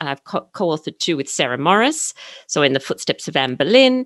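Against a quiet background with a dry, close sound and no echo, a woman speaks at a fairly quick pace with very wide pitch swings. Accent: Australian. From Australia, Sydney. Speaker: historian and author. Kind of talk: interview.

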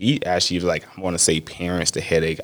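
Talking very fast with an American accent, a man uses a very deep, low pitch and fairly even intonation. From Mississippi, US South. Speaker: military veteran and entrepreneur. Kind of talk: interview chat.

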